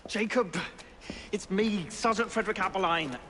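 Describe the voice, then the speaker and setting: A man's voice: high-pitched, moderate pace, noisy background, lightly acted. An actor playing an earnest undercover police sergeant who insists on his rank in a video game cutscene.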